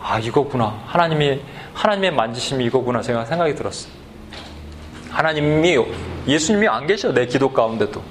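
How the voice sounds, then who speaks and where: A man preaching a sermon as pastor, telling a story with lively acted-out bits, in a church. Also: medium pitch, fairly quick, a little hiss or hum. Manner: animated storytelling, acts out voices, then leads sung worship. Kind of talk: sermon with acted skit retelling. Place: church sanctuary.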